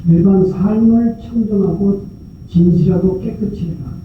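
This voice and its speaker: A man's voice: sits high, unhurried, a little hiss or hum. A male Buddhist monk giving a sermon, telling a story in a loose, conversational way and asking rhetorical questions. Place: large temple prayer hall. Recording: very echoey hall, distant mic, tinny sound.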